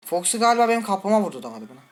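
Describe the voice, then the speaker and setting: A man's voice: sits high, sing-song, racing. A man hosting a gaming channel, giving let's-play commentary while he plays a horror game, jittery and scared, muttering curses and talking straight to his viewers. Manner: talks directly to viewers.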